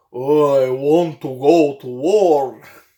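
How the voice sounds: A put-on character voice in a Russian accent, low-to-middle in pitch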